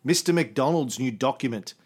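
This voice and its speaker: A man voicing a solemn Arab nationalist leader reading a proclamation aloud, with a put-on Arabic accent and a slow, grave delivery. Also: medium pitch, expressive, husky.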